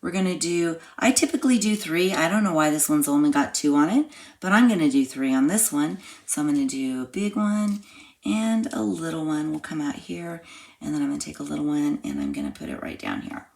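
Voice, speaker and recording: Slightly hoarse low-voiced craft teacher. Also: female voice, animated, a little fast, darkish tone. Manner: chatty step-by-step explaining while crafting. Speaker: craft class instructor. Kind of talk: live card-making tutorial. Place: home craft room.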